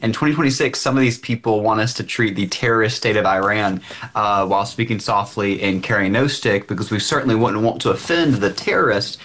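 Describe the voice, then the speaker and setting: A man's voice: on the low side, a little fast, fairly bright tone. An American man giving political commentary as a guest, assertive and emphatic. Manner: assertive, emphatic talking points.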